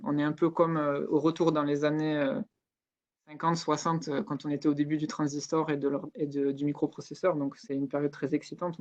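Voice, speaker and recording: Flat-voiced man on a dull, lo-fi recording. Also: on the high side. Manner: hesitant, many fillers. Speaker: research scientist guest. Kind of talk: interview answers. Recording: dull lo-fi sound.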